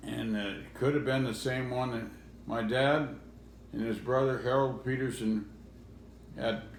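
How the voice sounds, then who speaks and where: A man with an American accent speaks at medium pitch with audible room echo. His fairly slow delivery has fairly even intonation and long, frequent pauses. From US Pacific Northwest, Quilcene, Washington. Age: 70s. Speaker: retired logger. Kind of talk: interview, life story reminiscence. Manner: halting, with false starts.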